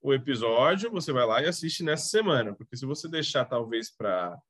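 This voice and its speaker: Coughing occasionally, a man with a Brazilian Portuguese accent chats as a podcast co-host about an episode of a TV series. His voice is medium in pitch, animated, brisk and a bit bright.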